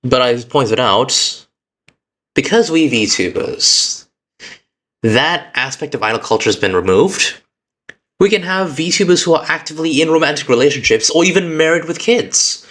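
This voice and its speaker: A man streaming as a VTuber, giving a heartfelt personal speech to his chat in an earnest, reflective way, with halting restarts and an uneven pace. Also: mid-range voice, big pitch swings, a bit bright.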